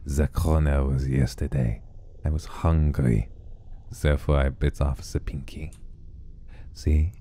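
A man voicing a creepy, cheerful spirit obsessed with smiles, in a put-on German accent, reading game dialogue slowly and theatrically. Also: rumbling low, fairly even intonation, warm tone. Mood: gleefully macabre. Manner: slow, theatrical, relishing macabre lines.

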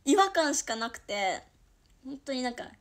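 A young woman from Toyama with a Toyama dialect, chatting casually on her livestream and reacting to viewer comments, dropping to soft murmurs and then bursting out brightly. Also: high voice, sing-song, moderate pace. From Toyama, Japan. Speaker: idol livestream host.

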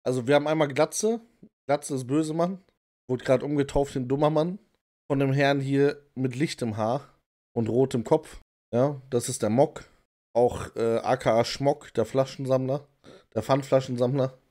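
A man casually commenting on clips as a streamer, relaxed and slangy, often laughing. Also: mid-range voice, moderate pace. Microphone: desktop condenser mic.

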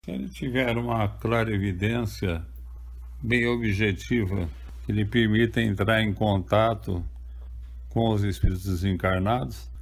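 An older man with a Brazilian Portuguese accent, an author answering interview questions calmly and explaining at a measured pace. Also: lowish voice.

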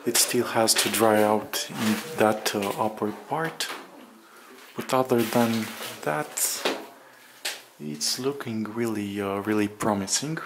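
A man narrating a casual walk-through vlog in a halting, hesitant way with drawn-out pauses, recorded indoors on a handheld camera. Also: lowish voice, noisy background. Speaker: vlogger. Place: bare room under renovation, indoors, windows open.

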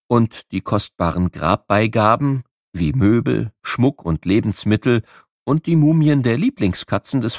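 A man narrates an educational audiobook for children. His voice sits fairly low, yet the melody moves up and down in a very lively way as he explains. The recording is close and dry, with no room sound. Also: no echo.

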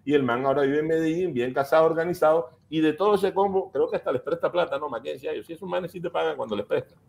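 A man's voice: fairly high pitch, fast talker, gravelly, a little mellow. A man on a video call talk show, blunt and opinionated. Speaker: panelist. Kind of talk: casual talk show banter.

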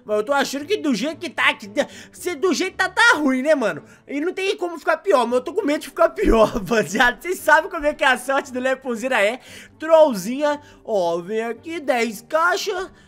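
A young man from Brazil with a Brazilian Portuguese accent, giving excited, exasperated gameplay commentary full of slang, his voice going hoarse. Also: very high voice, fairly quick. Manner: exasperated, exclaims often, heavy slang. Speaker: gaming YouTuber.

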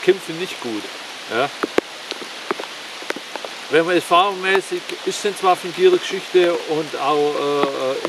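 A man in his forties talking casually to camera in a forest, rambling and halting. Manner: rambling, halting with many fillers; louder and higher while demonstrating strikes. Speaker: martial arts YouTuber. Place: forest, outdoors. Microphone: camera on the ground, several meters off. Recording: distant camera mic with rain hiss.

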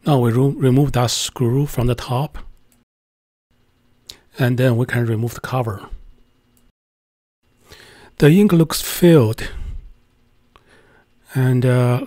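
A man's voice: medium pitch, a little mellow, no room sound, studio quality. A man hosting a casual voice-over tutorial, talking in a chatty, hesitant way with many filler sounds. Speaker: tech channel host.

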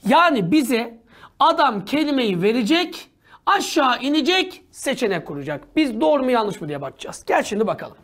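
A male teacher giving an energetic, joking grammar lecture in a slangy manner, now and then bursting into shouts. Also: very high voice, normal speed.

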